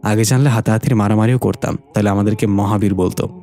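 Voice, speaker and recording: A man's voice: fairly low pitch, fairly even intonation, fast, mellow, close to an everyday voice. A man voicing a bumbling, easily scared young male sidekick who talks in a flustered, pleading way. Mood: quarrelsome.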